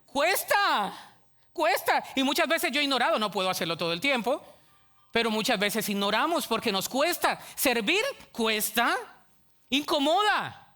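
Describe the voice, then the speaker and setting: High, bright-voiced emphatic man preaching. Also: normal speed. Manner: animated and emphatic, calls out to the congregation; admits to being a shouter. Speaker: pastor. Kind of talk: sermon. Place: church sanctuary.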